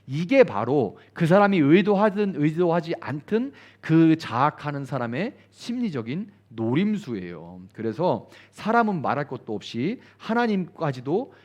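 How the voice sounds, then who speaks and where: A male pastor preaching at a midweek prayer service. He speaks in a high voice that leaps up and down, acting out the people he quotes with big swings in tone. The delivery is expressive and full of emphasis. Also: a little slow, few pauses. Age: adult, grew up attending church retreats.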